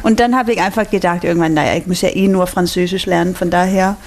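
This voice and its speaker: A woman's voice: fairly low pitch, fairly even intonation, quick pace, a little mellow. A woman with a Danish accent, speaking German as a guest and laughing often in a casual interview. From Denmark. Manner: laughs often, chatty and self-mocking. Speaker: guest, singer.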